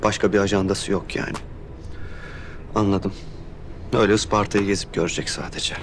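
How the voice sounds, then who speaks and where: An actor playing a stern, protective young man who speaks in a flat, guarded way. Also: sits low, normal speed, a little hiss or hum, natural voice. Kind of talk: television drama acting. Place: hotel meeting hall.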